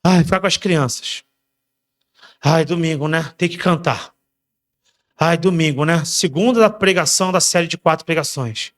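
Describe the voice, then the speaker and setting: A reluctant male churchgoer mutters his complaints in a low, sighing voice, put on by a man preaching. He sounds grudging and weary about every duty. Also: normal speed, close to an everyday voice.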